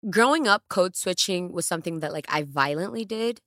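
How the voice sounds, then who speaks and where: Low-voiced candid woman podcaster. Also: fairly quick, no room sound, studio quality. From the Bronx, New York. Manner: candid, animated, voice rising and dropping in bursts. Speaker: podcast co-host. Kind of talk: casual podcast chat. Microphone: studio podcast mic.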